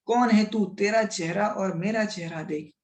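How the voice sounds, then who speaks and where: A storyteller voicing a stern adult male lion who scolds a young lion, speaking higher than their own voice. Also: measured pace, natural voice. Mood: scolding. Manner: scolding, raised pitch. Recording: roomy echo.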